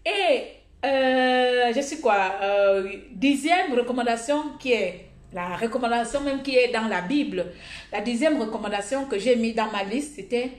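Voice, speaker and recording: A fairly high-voiced woman talks straight to her viewers in a casual vlog, blunt and humorous, telling stories with lively energy. Her voice rings around a roomy, echoey space. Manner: blunt, humorous, animated storytelling. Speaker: lifestyle vlogger giving advice. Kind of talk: casual monologue to camera. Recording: echoey room.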